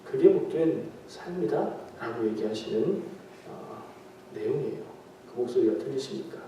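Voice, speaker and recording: A man's voice: medium pitch, lively intonation, normal speed, mellow, a little hiss or hum. A man preaching a midweek prayer meeting sermon in a conversational way, asking the congregation questions and joking with them. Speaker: pastor. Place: church sanctuary. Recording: very echoey hall, mic far off.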